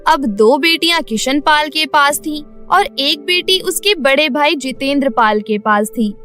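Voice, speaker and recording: A woman's voice: high-pitched, expressive, measured pace, sharp tone, faint music behind. A woman narrating a scripted bedtime cartoon story as its storyteller.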